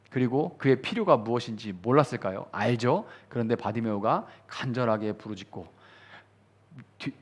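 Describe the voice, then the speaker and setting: A man in the pulpit gives a midweek prayer-meeting sermon. His voice sits at an ordinary middle pitch. He talks in an easygoing, conversational way, acting out quoted prayers and rising to fervent emphasis. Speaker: pastor.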